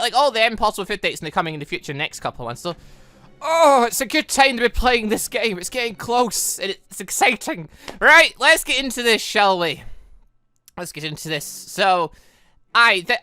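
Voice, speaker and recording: A man's voice: high-pitched, bright, forceful tone, smooth, no echo. A man giving casual, rambling, exclamatory let's play commentary as a gaming host.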